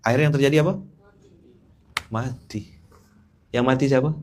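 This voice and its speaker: A man's voice: medium pitch, moderate pace, darkish tone. A male Islamic preacher, giving a casual, humorous sermon and often asking his audience questions.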